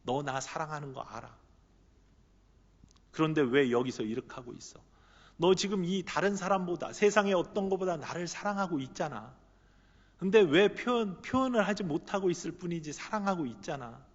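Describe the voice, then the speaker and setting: A man preaching a sermon, voicing a risen teacher who gently and insistently urges his disciple to get up. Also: fairly high pitch, animated, normal speed. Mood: tender coaxing. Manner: intimate pleading turning to rousing calls. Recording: echoey church hall, slightly muffled.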